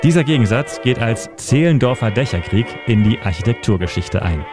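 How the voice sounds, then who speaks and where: A man reading a scripted radio feature about history and architecture in a measured documentary manner. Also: medium pitch, lively intonation. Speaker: feature narrator. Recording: studio voice-over over music.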